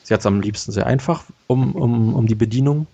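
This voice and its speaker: A man's voice: mid-range voice, brisk, vocal fry, dark tone, slightly rough. A man in his late twenties co-hosting a podcast, chatting casually with lots of fillers and restarts. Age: late 20s. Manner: rambling, many fillers and restarts, laughs often. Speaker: podcast co-host. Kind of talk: casual chat.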